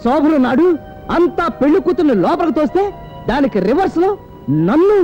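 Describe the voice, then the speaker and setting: Whiny excitable groom, high voice, music under it. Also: male voice, brisk. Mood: exasperated. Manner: excitable, whining. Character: frustrated young bridegroom, fast-talking and comic. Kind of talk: 1990s comedy film dialogue. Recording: dull old film soundtrack with music.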